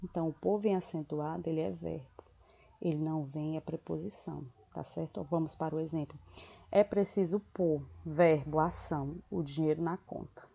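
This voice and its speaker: A woman's voice: deep voice, fairly even intonation, moderate pace, gravelly, mellow, slightly rough. A woman teacher giving a patient grammar lesson, often checking that students follow. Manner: patient, uses many diminutives and checks with "tá certo?". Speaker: Portuguese teacher.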